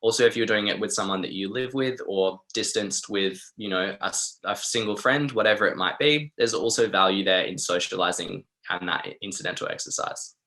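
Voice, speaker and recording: A man with an Australian accent and a very low, bright-edged voice. He presents a wellbeing webinar informally, chatting in an encouraging way and softening his suggestions as he goes. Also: a little fast, few pauses.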